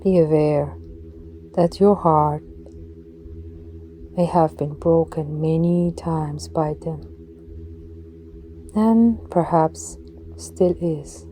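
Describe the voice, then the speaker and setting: A woman with a low, very dark and mellow voice guides a meditation at an unhurried pace. Her delivery is soft, and some words fall away into a breathy whisper. A faint hiss sits behind her.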